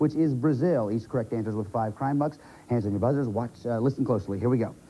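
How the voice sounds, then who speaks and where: Here a man speaks at a very fast pace. His pitch varies in an ordinary way. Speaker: game show host. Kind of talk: game show hosting. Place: studio. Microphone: handheld.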